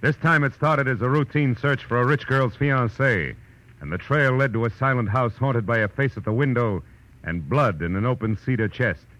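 An actor playing a world-weary private detective in 1940s radio style, terse, wry and deadpan. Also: male voice, mid-range voice, normal speed, lightly acted. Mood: grim, emphatic. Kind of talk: 1940s radio acting, first-person noir narration. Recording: dull old radio recording with music.

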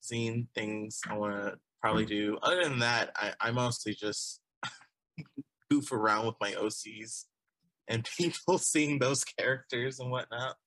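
A man's voice: mid-range voice, steady tone, measured pace, sharp tone, no echo, poor audio. A man in his twenties, a guest chatting casually and loosely with many fillers. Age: 20s. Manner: rambling, filler-heavy, laughs often. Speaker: guest artist. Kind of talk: casual conversation.

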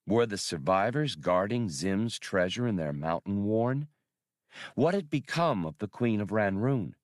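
A man with a lowish voice narrates an adventure audiobook. His reading is measured and dramatic, and the recording is dry with very little room sound. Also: no echo.

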